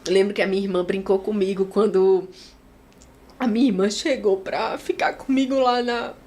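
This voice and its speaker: A woman from Brazil telling an emotional personal testimony as an interview guest, acting out what others said in lively voices. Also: medium pitch, moderate pace. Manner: animated storytelling, acting out other people's lines.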